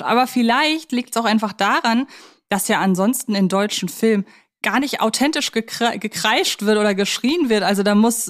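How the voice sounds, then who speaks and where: Female podcast co-host, mid-range voice, reflective and searching in conversational film talk. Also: medium pitch.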